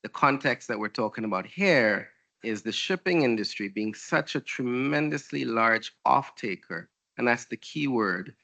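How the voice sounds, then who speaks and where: A man from Trinidad and Tobago with a Trinidadian accent, speaking as a panelist on a conference stage in a measured, explanatory way. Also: medium pitch, lively intonation, creaky, pushed and bright. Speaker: panelist, energy entrepreneur.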